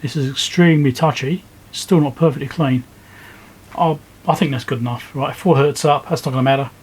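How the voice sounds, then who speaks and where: A man's voice: mid-range voice, steady tone, brisk, breathy edge. A man talking casually and thinking aloud as he hosts a hands-on electronics repair walkthrough. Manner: informal, thinking aloud while working. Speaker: electronics repair video host. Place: indoor electronics workbench.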